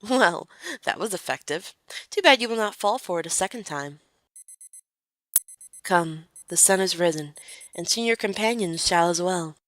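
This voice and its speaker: A woman acting a poised young noblewoman in a fan audio drama, formal and wry, with measured wording. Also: lowish voice, animated, a bit bright, no echo. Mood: firm, wry.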